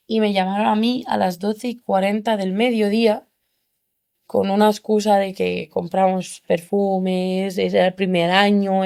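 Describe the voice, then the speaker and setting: A young woman from Spain, a podcast guest, telling her story in an animated way and acting out the people she quotes. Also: mid-range voice, creaky. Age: young adult. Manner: animated, acts out quoted voices. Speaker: interview guest.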